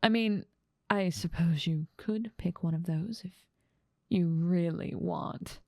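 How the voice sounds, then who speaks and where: A woman's voice: on the low side, slow, creaky, darkish tone, no echo, clean studio sound. A woman voicing a dominant demon ruler of hell in an ASMR roleplay, teasing, condescending and self-assured. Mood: coaxing.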